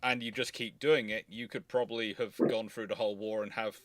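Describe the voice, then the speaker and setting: A man's voice: fairly low pitch, level tone, fairly quick, no room sound. A man hosting a livestream, chatting casually as he explains and answers questions in an emphatic, rambling way. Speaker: host of a naval history question livestream.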